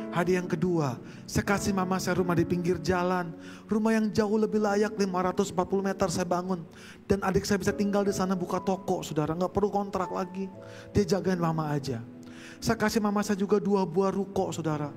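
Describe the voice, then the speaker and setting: Man, preacher, fervent testimony, high voice, instrumental music behind. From Medan, Indonesia. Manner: addresses listeners as brothers and sisters, fervent. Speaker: Christian songwriter and preacher. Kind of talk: emotional testimony sermon.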